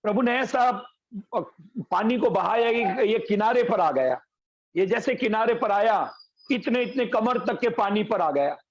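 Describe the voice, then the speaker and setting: A man's voice: high voice, animated, measured pace, dull audio. A male pastor preaching a sermon, telling folksy anecdotes and stories, over an online call. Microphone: video call.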